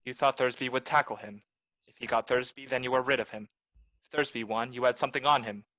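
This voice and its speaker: A man's voice: medium pitch, steady tone, quick pace, pushed and bright, no echo, close to an everyday voice, rough recording. A man playing a cynical, blunt private detective in the manner of 1940s noir radio drama. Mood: accusing. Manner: blunt, accusing, tough. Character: hard-boiled, cynical male private detective.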